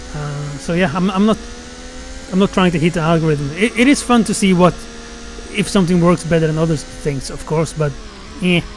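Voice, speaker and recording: A man with a non-native accent mumbles in a high voice at a fairly quick pace, with ordinary pitch variation. He leaves long, frequent pauses, and there is noticeable background noise. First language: not English. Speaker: gaming streamer. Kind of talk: live-stream commentary. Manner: halting; mumbling.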